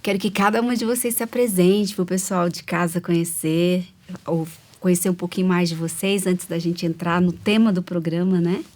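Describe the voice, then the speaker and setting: A woman's voice: on the low side, steady tone, normal speed. A woman hosting a Christian women's talk show, welcoming guests and affirming them often with short agreeing sounds. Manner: warm, affirming, frequent "uhum" backchannels.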